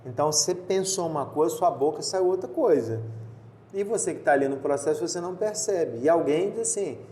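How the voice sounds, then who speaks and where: A man, a pastor, talking casually in a church podcast and telling stories with lively quoted voices. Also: a little high, a little fast. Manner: conversational, animated storytelling with quoted voices. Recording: roomy sound with faint noise.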